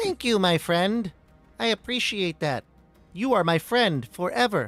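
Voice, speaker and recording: A man's squeaky, put-on character voice, high in pitch, at a moderate pace over faint music in the background. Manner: grateful, earnest.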